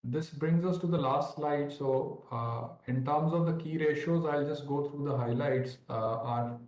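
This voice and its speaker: Mellow Indian man, formal presenter, roomy sound. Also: a little high. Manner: formal, measured, orderly. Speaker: corporate finance executive presenting results. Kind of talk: prepared earnings call presentation. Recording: roomy, dull conference call audio.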